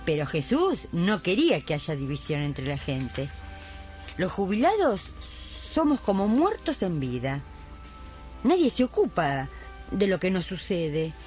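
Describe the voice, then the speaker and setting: A woman's voice: on the low side, sing-song, unhurried, darkish tone, faint music behind. A woman playing an elderly retired midwife, devout and plain-spoken, in a radio drama. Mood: indignant. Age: older.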